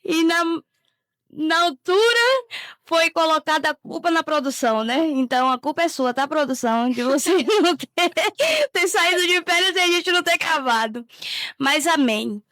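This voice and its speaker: A woman's voice: high voice, moderate pace, fairly bright tone, no room sound, studio quality. A woman hosting a podcast, welcoming a guest in casual chat. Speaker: podcast host.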